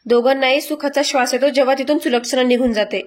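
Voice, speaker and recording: High-voiced woman narrating a serial recap. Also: fairly even intonation, fast talker. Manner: sympathetic storytelling. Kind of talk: dramatic story recap voice-over.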